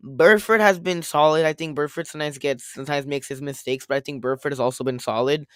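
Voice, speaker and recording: A man's voice: fairly high pitch, fairly even intonation, quick pace, fairly bright tone, smooth, no echo, clean studio sound. Man talking football, just off a cold. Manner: rambling, repeats himself, quotes others. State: slightly hoarse from a cold. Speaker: podcast co-host. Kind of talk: casual sports talk.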